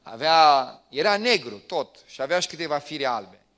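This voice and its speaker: A man with a Romanian accent delivers an animated sermon, his voice sitting high for a man. He swings between hushed asides and loud, emphatic appeals to the congregation. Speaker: preacher.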